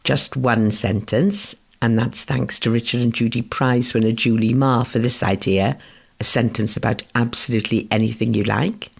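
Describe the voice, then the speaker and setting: Man from Wales, Welsh native, writing instructor, measured narration, deep gravelly fry, husky tone. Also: steady tone. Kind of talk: scripted educational narration.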